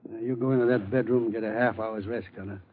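An actor doing a soothing, kindly fight trainer. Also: male voice, fairly low pitch, steady tone, quick pace, close to an everyday voice. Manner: soothing, fatherly. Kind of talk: 1950s radio drama acting. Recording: tinny old radio broadcast.

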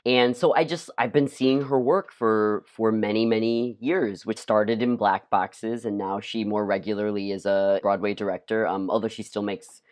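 An actor chatting casually as an interview guest, speaking haltingly and peppering sentences with "like". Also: medium pitch, fairly even intonation, a little mellow. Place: at home, remote session.

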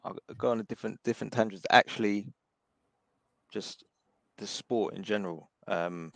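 A man with a hoarse voice, a podcast panelist talking in a rambling, casual way full of fillers and restarts. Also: fairly low pitch, moderate pace, a bit bright, no room sound. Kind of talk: casual chat.

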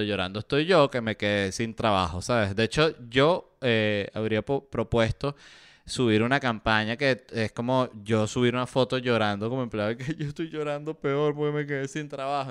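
A man's voice: fairly low pitch, fairly bright tone, clear, resonant tone. A man hosting a podcast, commenting on entertainment news in a chatty, sarcastic way with lots of fillers. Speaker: podcast host. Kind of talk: casual pop-culture news chat.

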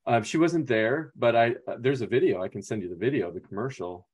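A man's voice: medium pitch, fast, husky. Rambling male podcast co-host telling stories. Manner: rambling, anecdotal, many fillers and quoted asides. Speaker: podcast co-host, basketball coach. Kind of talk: casual storytelling chat.

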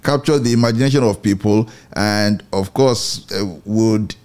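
A middle-aged man hosting a Christian radio commentary show, speaking in a measured, earnest way and often repeating his phrases. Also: on the low side, a little mellow, clear, resonant tone.

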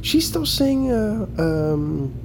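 Middle-aged dad, security chief, affable, lively intonation, audio drama, prominent music. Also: male voice, high voice, extremely slow, vocal fry, full character voice, poor audio. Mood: affable, easygoing. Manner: affable, gently coaxing. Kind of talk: naturalistic audio drama acting.

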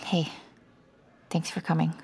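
An actress playing a shaken woman accused of killing a child, speaking in a hushed, half-whispered way. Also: unhurried, natural voice. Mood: pleading, desperate. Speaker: narrator and lead character. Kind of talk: audio drama acting.

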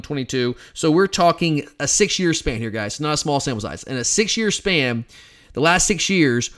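A man in his thirties hosting a sports podcast, talking in an excited, emphatic way with frequent restarts. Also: fairly high pitch. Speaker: podcast host. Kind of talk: casual sports podcast monologue.

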